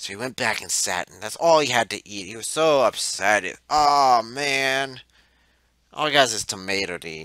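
A man's bright, sharp voice at a moderate pace, lively intonation, big swings in loudness, dry sound with no echo and a quiet background. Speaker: YouTube storyteller taking audience requests. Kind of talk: storytelling aloud to kids, spooky bedtime-style tale. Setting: home video recording for online channel. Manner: animated, playful, with hushed dramatic whispers for scary bits. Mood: playful, animated. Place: home room. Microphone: headset.

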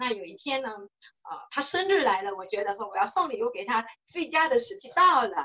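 A woman projects a raised voice with a bright, sharp tone and a high pitch. Her pitch swings very widely over a quiet background. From Singapore. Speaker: direct sales distributor. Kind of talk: testimony. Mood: cheerful, warm. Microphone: video call.

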